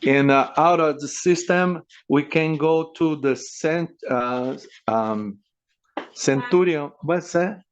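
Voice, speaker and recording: A man's voice: a little high, slow, clean tone. A man whose first language is Spanish, interpreting into English on a video call, searching for words with many fillers. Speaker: volunteer interpreter.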